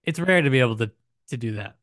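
A man co-hosting a podcast, talking through a book casually with emphatic, deliberate phrasing broken by pauses. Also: mid-range voice, expressive, fairly bright tone, no room sound, clean studio sound. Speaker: podcast co-host.

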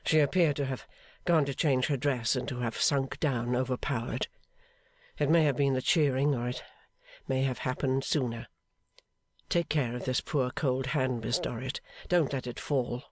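A reader voicing a kindly gentleman who speaks quietly with pity and a touch of reproach in an audiobook. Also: medium pitch, fairly even intonation, moderate pace, natural voice. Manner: quiet, pitying, slightly reproachful. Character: grave, kindly gentleman carrying a fainted girl. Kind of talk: storybook reading.

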